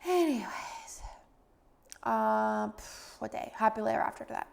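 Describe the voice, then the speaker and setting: A woman's voice: fairly high pitch, unhurried, creaky. A young woman chatting casually in a vlog voice-over, rambling with lots of fillers, a bit stuffy and congested. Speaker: planner vlogger.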